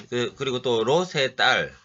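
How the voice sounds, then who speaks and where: A man preaching a halting lecture-style sermon while he has a cold, often clearing his throat and pausing on fillers. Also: mid-range voice, animated, sharp tone. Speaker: pastor. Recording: dull lo-fi recording.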